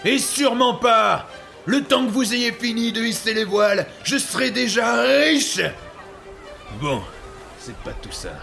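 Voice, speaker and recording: A man's voice: very high voice, animated, unhurried, creaky, pushed and bright, some chatter behind, exaggerated voice. A man playing a boastful, scheming, hapless sea captain in a pirate comedy audio drama, theatrical and hesitant as he bluffs. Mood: defensive, boastful. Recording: music behind the voice.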